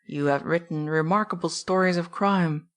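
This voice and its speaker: A woman reading an audiobook, voicing an urbane, condescending older gentleman in slow, measured lines. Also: on the low side, natural voice. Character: stately older German gentleman, urbane and smug.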